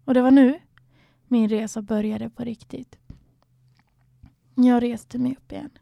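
A young Swedish woman tells her own story candidly and reflectively, at times sinking almost to a whisper. Her voice is on the high side and gravelly, with fairly even intonation. The recording is lo-fi with no echo.

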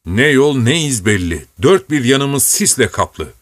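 A man's voice: mid-range voice, big pitch swings, unhurried, no room sound, pitched above the performer's own voice. A man reading an audiobook voices a worried peasant coachman who pleads and frets, his voice raised. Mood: uneasy. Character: worried male peasant coachman, superstitious and stubborn.

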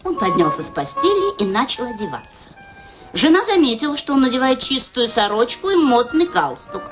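A woman narrating a literary story in a radio play, in an expressive storytelling manner. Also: a little high, fairly quick, rough recording. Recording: radio play with music underneath.

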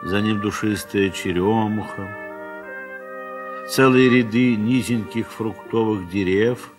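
Slow, low-voiced male literary narrator. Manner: measured, expressive reading with wide swells in pitch and volume. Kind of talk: 1970s audio drama literary narration. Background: instrumental music.

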